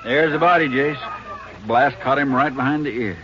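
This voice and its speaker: An actor playing a plain-spoken, helpful small-town Texas sheriff in a 1950s radio western. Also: male voice, medium pitch, normal speed, highs cut off, music in the background, close to an everyday voice. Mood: matter-of-fact. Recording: noisy, band-limited 1950s radio recording.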